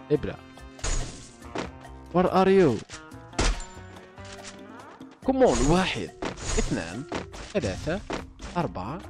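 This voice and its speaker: A young man, giving excitable, boastful commentary over his own gameplay and trash-talking opponents. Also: medium pitch. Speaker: gaming YouTuber.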